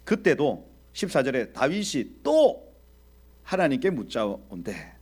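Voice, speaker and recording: Animated husky male Bible preacher. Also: medium pitch, slow. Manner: animated, acts out quoted dialogue; addresses audience directly. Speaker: Bible teacher. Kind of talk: Bible exposition sermon.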